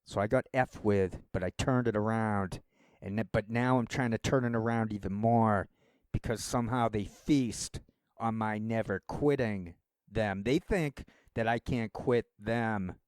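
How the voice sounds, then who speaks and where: A man's voice: lowish voice, measured pace, a little mellow, clean tone, no echo, clean studio sound. A man rambling through a casual solo monologue as a vlogger, wandering from thought to thought. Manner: rambling, meandering talk.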